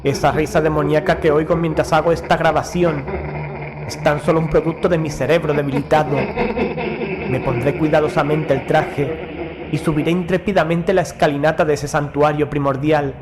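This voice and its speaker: A man's voice: fairly high pitch, steady tone, noisy background, natural voice. A man playing a proud, doomed Prussian naval officer, narrating a horror audio story in a solemn, formal manner as madness haunts him. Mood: stoic resolve. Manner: solemn, formal, measured diction. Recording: music behind the voice. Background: music.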